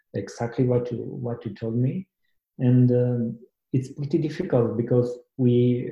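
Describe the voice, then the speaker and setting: A man with a Romanian accent sounds somewhat breathy, speaking at a moderate pace and medium pitch with ordinary pitch variation. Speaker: podcast host. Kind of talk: interview. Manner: halting.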